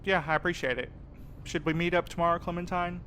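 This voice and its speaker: A fairly high male voice with a casual, matter-of-fact way of talking, an easygoing and wry man in an audio drama. Slight background noise sits behind him. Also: fairly even intonation, quick pace, sharp tone.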